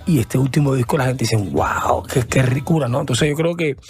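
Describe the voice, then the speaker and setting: Gravelly Cuban man, halting speech. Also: medium pitch, faint music behind. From Cuba. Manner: halting, repeats words while searching. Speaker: musician guest. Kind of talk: casual interview talk.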